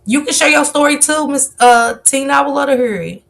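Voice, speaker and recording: Her voice sits high, creaky and fairly bright as this livestream host in her 40s speaks briskly and candidly to viewers, calling them baby. The chat is casual and confessional, picked up by a livestream mic.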